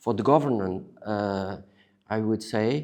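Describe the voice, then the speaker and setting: Against a quiet background, a man with a Portuguese accent talks at a fairly slow pace, his tone dark and mellow and his intonation lively. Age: 60s. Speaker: business leader. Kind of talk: interview. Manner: halting.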